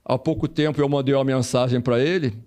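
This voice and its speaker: An older Brazilian former footballer, a guest in an interview, telling stories casually, repeating phrases and acting out quoted voices. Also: male voice, medium pitch, steady tone, quick pace, a little mellow, clear, resonant tone.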